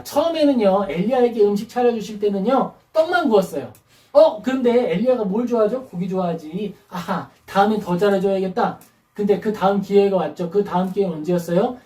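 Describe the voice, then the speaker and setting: A woman's voice: medium pitch, warm tone. A woman pastor preaching a sermon emphatically, firing rhetorical questions and acting out quotes. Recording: roomy hall, mic at a distance.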